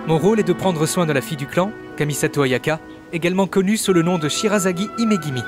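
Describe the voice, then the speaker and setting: Game dub: courteous, affable young male retainer, acted by a man, lightly high-pitched, formal, articulate delivery over music. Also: quick pace, lightly acted. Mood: polite, assured. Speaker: amateur voice actor dubbing a game character. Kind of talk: scripted game dialogue dub.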